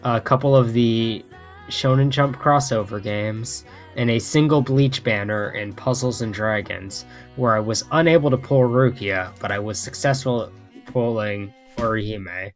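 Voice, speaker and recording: Slow mock-formal male moderator. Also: medium pitch, soft background music. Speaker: debate moderator. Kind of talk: casual podcast moderating.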